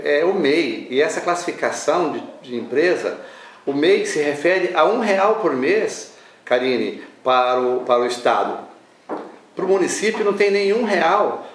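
An older man with a Brazilian accent, speaking as an association spokesman in an interview, halting between phrases and adding tag questions. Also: a little high. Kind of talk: sit-down news interview. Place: small indoor newsroom office. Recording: roomy, distant mic, faint noise.

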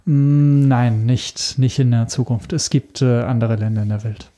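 A man chatting casually as a podcast guest, halting and thoughtful in his phrasing. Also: mid-range voice, fairly even intonation, warm tone. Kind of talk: casual chat.

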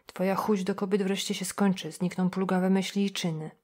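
Kobieta odgrywająca fanatycznego kapłana, który uroczyście i rozkazująco wygłasza słowa egzorcyzmu. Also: female voice, mid-range voice, level tone, normal speed, darkish tone, close to an everyday voice. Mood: preaching. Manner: solemn, declaiming. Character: fanatical male priest, commanding exorcist.

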